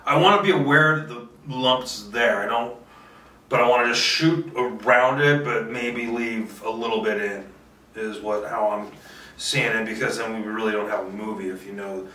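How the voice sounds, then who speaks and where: A fairly low, sharp-toned male voice moves at a moderate pace as a filmmaker does a solo table read. He rambles casually to himself, boasting in a playful way and swearing now and then. The recording comes from a distant microphone in a reverberant room.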